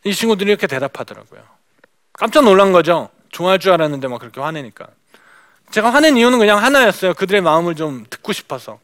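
A woman's voice: fairly low pitch, very animated, fast, no room sound. A woman missionary giving a testimony talk to a church audience, speaking to them directly and acting out the dialogue she recalls. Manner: addresses the audience directly, acts out quoted dialogue.

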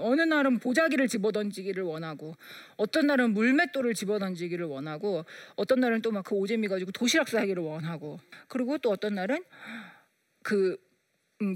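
A woman shares a heartfelt story as a mother, her pitch rising and falling in lively swings as she plays out each voice. The sound is close and dry, with no room around her. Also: dry recording. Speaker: mother telling a faith story to an audience. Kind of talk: personal storytelling talk.

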